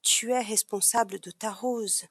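A wise old fox sharing a simple truth, read aloud by a woman. The delivery is calm and solemn at an ordinary pitch. The sound is dry and close. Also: unhurried, slightly rough, dry recording.

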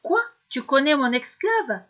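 A haughty, scornful rich nobleman in a storybook reading, as a woman narrator puts him on. His voice sits high and he talks down with mocking arrogance. The recording is a little dull and lo-fi. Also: very animated, a little slow, a bit bright, full character voice.

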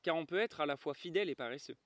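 A man voicing a tired, dutiful male lamplighter who speaks in a flat, resigned way. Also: on the high side, rapid-fire, no room sound, lightly acted. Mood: weary.

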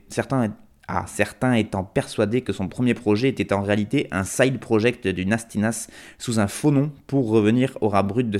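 A man's voice: fairly low pitch, a little mellow. A man hosting a music radio show, presenting tracks in an informal, self-deprecating way.

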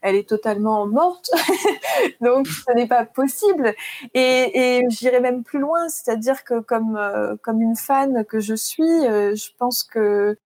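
Being interviewed about her book, a woman in her thirties speaks slowly in a slightly high, somewhat mellow voice. Her talk is thoughtful and searching with frequent restarts, and she reads a passage aloud from the book.

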